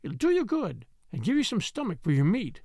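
A man's voice: high voice, wildly swooping pitch, fairly quick, darkish tone, slightly rough, no room sound, clean studio sound, heavily acted. A man voicing a talkative, good-tempered young housemaid with homely, outspoken speech in an audiobook. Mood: stout. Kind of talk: audiobook character voice.

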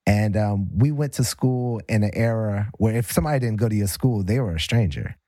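A man from California hosting a conversational show. His voice is fairly low and recorded very dry, with halting, reflective phrasing. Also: mellow, dry recording. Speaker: podcast host. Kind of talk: casual conversational talk.

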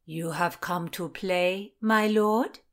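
A woman's voice: on the low side, steady tone, takes it slowly, a bit bright. A woman voicing a bold, coquettish Elizabethan court lady in an audiobook, playful and courtly. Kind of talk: audiobook character dialogue.

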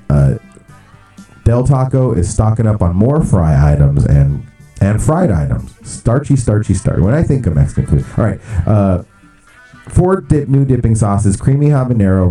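A man hosting a small studio radio show, his voice low-pitched and very dark and mellow. He rambles loosely, cracks jokes and swears, now and then slipping into a mock announcer boom, with faint music underneath. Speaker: radio host. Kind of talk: casual radio chat.

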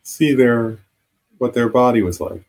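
A man leading a guided meditation as a teacher, giving gentle, halting, unscripted instructions with long pauses. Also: medium pitch, rough recording.

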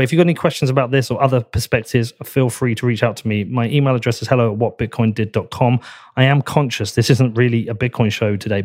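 A man's voice: mid-range voice, darkish tone. A man hosting a podcast in person in a studio, talking casually with many fillers and self-deprecating remarks. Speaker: podcast host.

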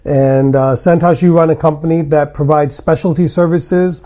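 A man with a fairly high voice and a very mellow, dark tone hosts a podcast. He talks conversationally and is blunt and opinionated. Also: steady tone, normal speed. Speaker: podcast host, general dentist. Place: hotel room.

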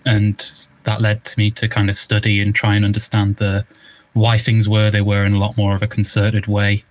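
A man's voice: on the low side, no room sound. A young man from northeast England, a guest in an interview, talking casually and thoughtfully with many restarts and ums. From Newcastle, northeast England. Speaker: guest, video essay narrator.

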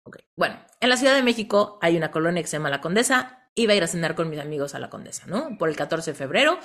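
A woman with a Mexican accent hosting a motivational coaching talk, telling stories in an animated way and often ending lines with a questioning tag. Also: lowish voice, quick pace. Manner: animated storyteller, tags lines with "¿no?". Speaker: host.

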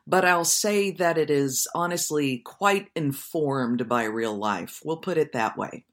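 A woman with a very deep voice and a groggy morning sound speaks as an interview guest. She is animated and playful, with a wry humor. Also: takes it slowly. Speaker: guest, performer. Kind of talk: casual interview chat.

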